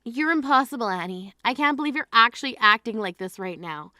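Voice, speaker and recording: A woman's voice: a little high, expressive, brisk, bright, forceful tone, no room sound, studio quality. A young woman playing an exasperated, grieving sister who scolds her sibling in a scripted drama. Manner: scolding, indignant.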